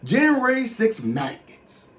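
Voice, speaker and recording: This man in his thirties has a very high, fairly bright voice with wildly swooping pitch, and he takes things slowly. Speaking African American English in a small poster-lined room indoors, he explains slang and reads a list in a mock-official, emphatic comedic manner with casual asides.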